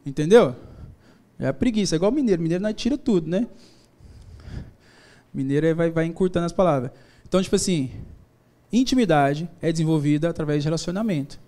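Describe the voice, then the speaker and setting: A man's voice: a little high, animated, a little fast, long pauses, mellow. A man giving a live motivational talk to an audience, informal and joking, mixing faith, business stories and slang. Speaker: business speaker. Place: event stage before an audience.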